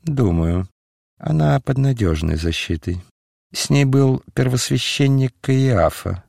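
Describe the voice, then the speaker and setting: A man voicing a mysterious, calm eastern stranger who speaks in riddles with quiet mockery. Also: mid-range voice, takes it slowly, vocal fry, no room sound, studio quality, pitched above the performer's own voice, exaggerated voice. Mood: calm, knowing. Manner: calm, mocking, detached.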